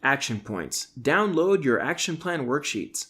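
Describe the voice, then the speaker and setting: A man's voice: mid-range voice, very animated, unhurried, a bit bright. Man, middle-aged, mid-range voice, scripted audiobook narration, instructional delivery, emphasis on key terms. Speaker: author reading own audiobook.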